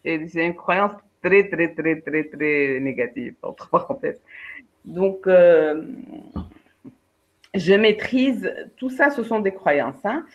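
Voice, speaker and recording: A woman, a career coach and trainer giving a lively webinar talk, speaking straight to her participants and acting out her examples. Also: on the low side, slow. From Algeria. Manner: lively, addresses participants directly, acts out examples. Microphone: video call. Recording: dull lo-fi online webinar audio.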